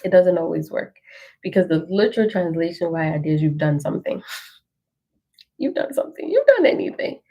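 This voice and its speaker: A woman teaching a language lesson, reading through an ebook page by page and slowly repeating phrases to encourage learners. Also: lowish voice, very animated, mellow, slightly rough.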